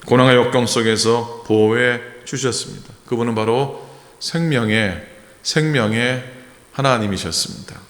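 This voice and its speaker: A pastor from the Gyeongsang region, a man preaching a sermon earnestly, rising in emphasis and pausing with hesitant fillers. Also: on the low side, a bit bright. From Gyeongsang, South Korea. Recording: echoey church hall.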